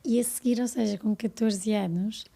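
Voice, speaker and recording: A woman's voice: a little high, fairly even intonation, normal speed, gravelly, mellow, husky. A woman with a European Portuguese accent hosting an interview, asking brief prompting questions. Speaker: podcast host.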